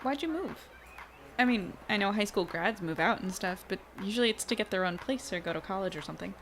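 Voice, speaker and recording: A woman's voice: medium pitch, expressive, fairly quick, fairly bright tone, slight background noise. An actress playing a friendly, talkative, wry young woman in a naturally acted audio drama. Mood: concerned, curious.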